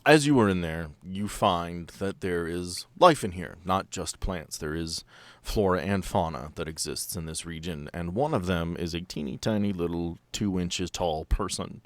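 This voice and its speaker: A man's voice: low voice, normal speed, dry recording. A man improvising casual, playful narration as the game master of a tabletop roleplaying podcast. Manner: playful, conversational.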